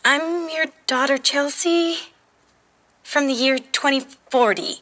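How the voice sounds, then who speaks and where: A woman's voice: high-pitched, takes it slowly, fairly bright tone. A woman playing an earnest, eager fifteen-year-old girl from the future in an audio drama, insistent and persuasive. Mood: excited.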